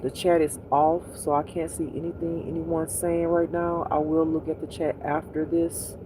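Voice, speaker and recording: A livestream host talking in a soothing, unhurried, intimate pillow-talk way, repeating gentle instructions to relax. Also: mid-range voice, little pitch movement, background noise.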